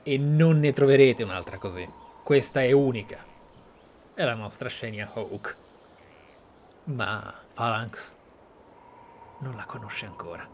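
A man hosts a roleplay playthrough in a mid-range voice. He speaks emphatically, with dramatic, deliberate pauses. There is faint noise behind him. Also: mid-range voice, darkish tone. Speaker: gaming streamer, host. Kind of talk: emphatic roleplay let's play commentary.

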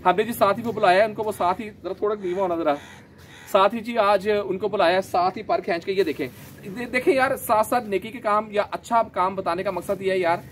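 A man, gently explaining his pigeon keeping in a casual vlog, a little hoarse from a sore throat. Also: sits high, brisk, a little hiss or hum. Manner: chatty, gentle, explains while handling birds. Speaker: pigeon keeper vlogger. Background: pigeons cooing.

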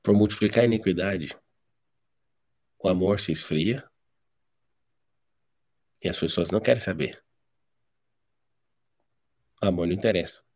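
A man's voice: sits low, measured pace, pauses often, darkish tone. A man with a Brazilian Portuguese accent, preaching a live devotional sermon, telling stories bluntly and directly.

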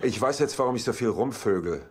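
An actor in a German sitcom dub playing a heartbroken, impulsive womanizer with a halting, dryly flippant way of talking. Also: medium pitch, lively intonation, slight background noise, lightly acted. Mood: rueful. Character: heartbroken, wisecracking womanizing bachelor, impulsive and self-pitying. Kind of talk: German-dubbed sitcom acting.

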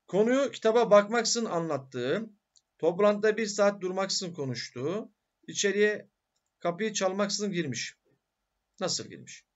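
A man's voice: sits high, highs cut off. A male teacher giving a grammar lecture who asks questions and answers them himself.

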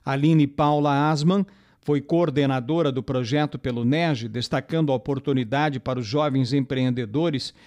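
A man's voice: medium pitch, fairly even intonation, darkish tone, muffled recording. Man reading a news report. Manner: measured, formal delivery. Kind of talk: scripted news narration.

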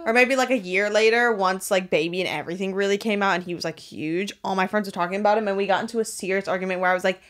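A woman's voice: medium pitch, fairly even intonation, quick pace, few pauses. A woman in her twenties co-hosting a podcast in casual, sweary, slangy chat on a close studio microphone. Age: 20s. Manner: slangy, sweary, with heavy filler "like". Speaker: podcast co-host. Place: small room, indoors. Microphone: podcast microphone on boom arm.

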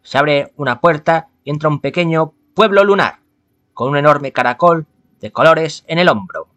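A man's voice: a little high, normal speed, a bit bright. A man from reads a visual novel aloud, adding casual, wry commentary as he goes. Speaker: gaming streamer.

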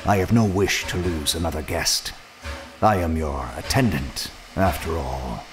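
A man plays a dutiful manor attendant in an audio drama. His voice is very low, and he speaks with formal, measured, dry understatement over clearly audible music. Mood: measured, earnest.

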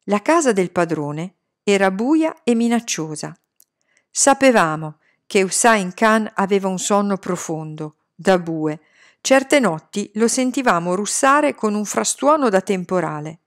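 A woman reading a novel aloud in an expressive storytelling manner. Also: measured pace. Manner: expressive storytelling, lively pitch. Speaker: audiobook reader. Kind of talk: scripted narration of a novel.

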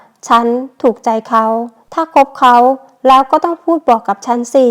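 A woman voicing a hot-tempered, jealous young elder sister in a storybook, sharp and scolding. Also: high-pitched, moderate pace. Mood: accusing.

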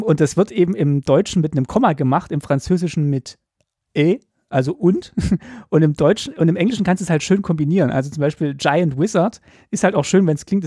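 A man co-hosting a casual podcast discussion, explaining things quickly in his native German, with lots of filler words. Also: fairly high pitch, dark tone, breathy edge, no room sound, studio quality. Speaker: podcast co-host.

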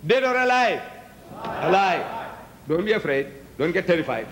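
A man's voice: high-pitched, very animated, normal speed, heavy background noise. An older man whose first language is Gujarati, arguing emphatically at a podium in a large hall, firing rhetorical questions at the audience. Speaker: debater. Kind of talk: public debate speech. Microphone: podium microphones.

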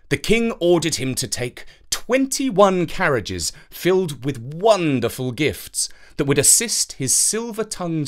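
A storyteller reading a scripted children's fairytale with expressive, careful phrasing. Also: medium pitch.

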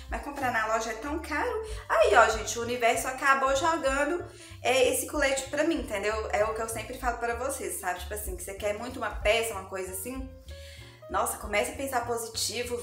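A woman's voice: fairly high pitch, a bit bright, roomy sound. Chatty, effusive woman vlogger. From Brazil. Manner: chatty and effusive, constantly addressing viewers. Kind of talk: casual thrift haul vlog. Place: living room at home, indoors.

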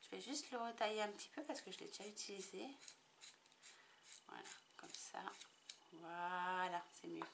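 A woman's voice: fairly low pitch, moderate pace, creaky, pauses often, a bit bright, a little hiss or hum. A woman chatting casually to the camera in a makeup tutorial, rambling with lots of fillers and restarts. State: tickly throat. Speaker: makeup vlogger.

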